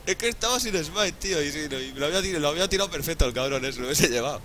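A young man from Spain with a Spanish accent, commentating his own game excitedly, swearing and laughing often. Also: on the high side, a little hiss or hum. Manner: excitable, profane, laughs often, calls viewers "sobrinillos". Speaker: gaming YouTuber.

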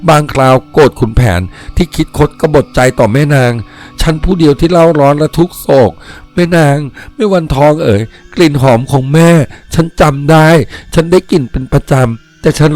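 A man's voice: fairly high pitch, a little mellow, natural voice. Man playing a lovestruck painter, fervently pleading. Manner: fervent, stammering, insistent pleading. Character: lovestruck male painter, devoted, pleading with ghost.

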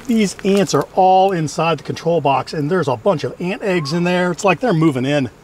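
A middle-aged man, a hobbyist beekeeper and channel host, chats through a casual vlog in his wooded backyard apiary. His voice is a little high with a darkish tone and a moderate pace, and he keeps exclaiming and restarting sentences. A distant tripod camera picks up faint outdoor noise from bees and insects.

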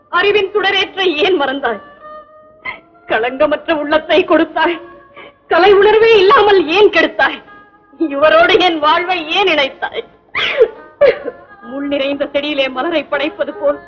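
Devout educated princess-bride, formal literary delivery, high pitch, 60s soundtrack with music. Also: female voice. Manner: formal literary speech, dramatic pleading. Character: learned young princess bride, devout, proud and anguished. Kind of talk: 1960s film acting. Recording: dull old film soundtrack with music.

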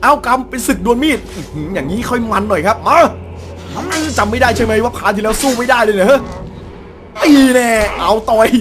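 A young man hosts a gaming let's play, speaking close to the mic with a fairly high voice. He grows excitable and bursts into exclamations as the fights heat up. Faint game music runs underneath. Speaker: gaming channel host. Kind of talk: let's play commentary and live translation of game dialogue.

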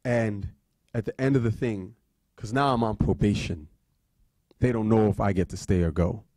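A man giving a talk, telling a personal story in an animated way that swings between loud and hushed. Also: fairly low pitch, normal speed, dry recording, clean studio sound. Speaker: guest speaker.

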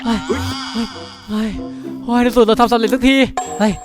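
A man hosting and improvising Minecraft roleplay in an excitable, chatty way, often repeating himself. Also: extremely high pitch, normal speed, over music. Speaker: YouTube gaming host and roleplay lead.

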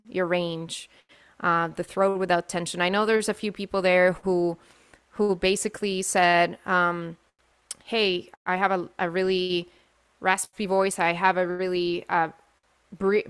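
A woman's voice: fairly low pitch, clear, resonant tone, no room sound. Chatty young woman teaching singing. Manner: chatty, many fillers and restarts. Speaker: singing teacher hosting a webinar. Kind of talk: live webinar talk. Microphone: webcam mic on video call.

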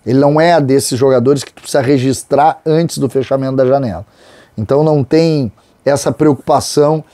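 A middle-aged host from Rio do Sul delivers opinionated football commentary in a chatty way, leaning on drawn-out words to make his points. His voice is mellow and dark in tone. It is recorded dry and close on a lapel mic in a small studio. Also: on the high side, dry recording. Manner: conversational and opinionated, with drawn-out emphasis on key words. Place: small studio with a branded backdrop, indoors.

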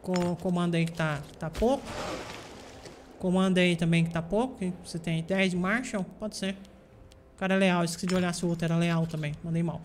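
A man's voice: sits high, fairly even intonation, fairly quick, a little hiss or hum. A man with a Brazilian Portuguese accent, talking casually to himself and his viewers while playing a strategy game, with bursts of exasperation. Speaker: gameplay streamer. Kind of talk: casual gameplay commentary.

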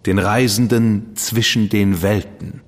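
An actor playing a witty, decadent dandy detective's partner in a German radio drama, flippant and ironic. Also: male voice, lowish voice, steady tone, slow pace, long reverb tail. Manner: flippant, ironic, self-satisfied.

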